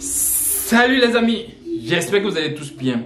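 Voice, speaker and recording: With a non-native accent, a man speaks at a moderate pace with ordinary pitch variation, amid noticeable background noise and audible room echo. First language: not French (speaking French). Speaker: education YouTuber advising students. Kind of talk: video tutorial to camera. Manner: informal, direct address to viewer.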